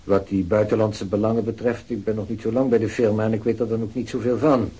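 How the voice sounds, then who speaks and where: An actor in a radio play playing a cool, evasive male company executive who answers police questions curtly and condescendingly, with a husky voice. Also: fairly low pitch, flat delivery, quick pace, dark tone, low-quality recording. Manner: curt, guarded, condescending. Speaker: business executive. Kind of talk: Dutch radio play acting.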